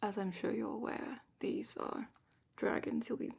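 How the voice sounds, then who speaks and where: A woman playing a calm, probing dragon-academy examiner in a whispered ASMR roleplay, speaking softly and deliberately with thoughtful pauses. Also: mid-range voice, exaggerated voice. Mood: explaining. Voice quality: soft, breathy whisper.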